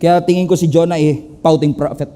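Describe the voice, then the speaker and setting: High-voiced Filipino pastor preaching with energy. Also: male voice, brisk. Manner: animated preaching that switches between English and Tagalog; acts out the people in the story in quoted voices. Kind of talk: sermon.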